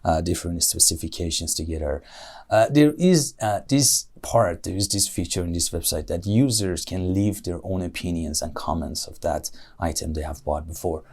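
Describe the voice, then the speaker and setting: A young man whose first language is Persian, answering speaking-test questions in English with a Persian accent, pausing often on "uh" and correcting himself as he goes. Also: low voice, a little mellow. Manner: thoughtful, with frequent "uh" and self-corrections. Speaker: IELTS speaking test candidate. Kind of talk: exam-style spoken answers.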